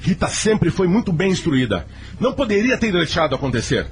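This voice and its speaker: Indignant, stubborn father, animated male actor. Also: high-pitched, fairly quick, a little hiss or hum. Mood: vehement. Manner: vehement, emphatic. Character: indignant, stubborn, hot-tempered middle-aged father. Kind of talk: radio soap opera acting.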